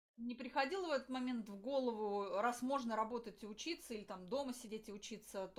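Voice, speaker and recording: Speaking very fast, a woman uses ordinary pitch variation. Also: hardly any pauses. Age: 50s. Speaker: interviewer, former corporate employee. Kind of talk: interview conversation.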